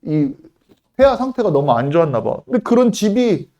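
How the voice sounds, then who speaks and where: A man preaching a sermon as pastor, emphatic, with sudden loud quoted lines and soft asides. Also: fairly high pitch, sing-song, normal speed, highs cut off.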